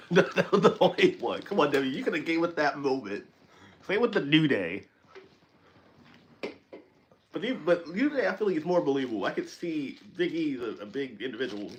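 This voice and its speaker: Animated rambling man hosting a live stream. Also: mid-range voice, normal speed, slight background noise. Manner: animated, rambling, self-correcting, laughs often. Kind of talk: casual chat.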